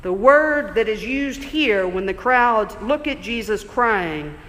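A man preaching a sermon in a church, conversational and explanatory, slowing down for emphasis. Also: high voice, lively intonation, pushed and bright, slight background noise. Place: church sanctuary. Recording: long church reverb.

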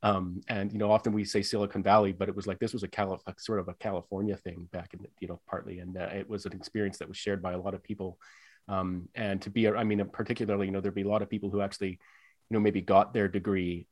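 A man hosting an interview podcast speaks fast in a fairly low voice. He is thoughtful and winds through long sentences as he asks his questions. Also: level tone, no echo. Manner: quick, thoughtful, talks in long winding sentences. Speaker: podcast host.

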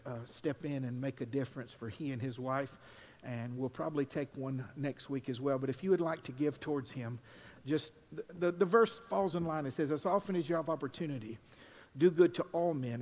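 Older pastor preaching at a pulpit mic. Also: male voice, medium pitch. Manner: folksy asides building to loud, drawn-out preaching. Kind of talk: sermon. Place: church sanctuary. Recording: long reverb in a church hall.

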